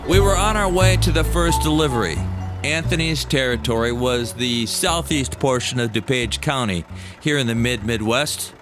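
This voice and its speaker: A man's voice: mid-range voice, moderate pace. An American man telling a personal story as scripted first-person narration. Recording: music behind the voice.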